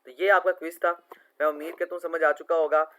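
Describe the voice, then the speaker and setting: A male tutor walks through quiz answers in a screen-recorded lesson. His voice sits a little higher than most men's. He explains patiently, slows right down to spell words letter by letter, and speaks close to a desk mic. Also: flat delivery, pushed and bright, a little hiss or hum, rough recording.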